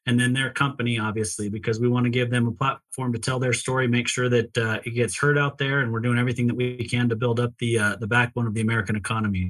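A man's voice: medium pitch, fairly bright tone. A man co-hosting a podcast, opening the show and questioning his guest in a friendly, wordy manner. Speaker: podcast co-host.

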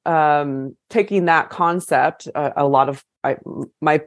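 A woman from California talks through her story in a relaxed, chatty way, stopping and restarting her sentences. Her voice sits low. The sound is dry and close, with no room around it. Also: takes it slowly, no room sound. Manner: chatty, with frequent fillers and restarts. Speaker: chef and author guest. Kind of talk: casual interview conversation.

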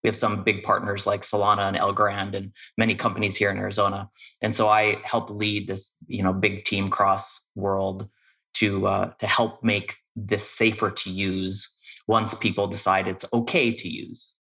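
A man's voice: lowish voice, monotone, moderate pace, bright, forceful tone. A man introducing himself on a panel in a casual, conversational way. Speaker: cybersecurity executive, panelist. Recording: dull, lo-fi sound.

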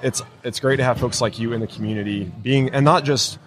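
A man's voice: medium pitch, a little fast. A man hosting a podcast interview at a convention, enthusiastic and rambling, with many restarts and fillers. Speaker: podcast host. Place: convention floor.

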